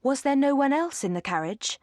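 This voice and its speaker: A woman's voice: high voice, sing-song, brisk, a little mellow, no room sound, clean studio sound, pitched above the performer's own voice. Genteel, questioning English mother, voiced by a woman narrator. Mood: anxious, questioning. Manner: polite, probing questions. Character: genteel middle-aged mother, anxious, questioning, affectionate.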